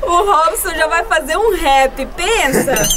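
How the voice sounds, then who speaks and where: An eager schoolgirl chatters in a radio drama. Her voice is high and swings in lively, exclamatory turns, with loud music behind it. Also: takes it slowly, exaggerated voice. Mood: excited. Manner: exclamatory, youthful slang.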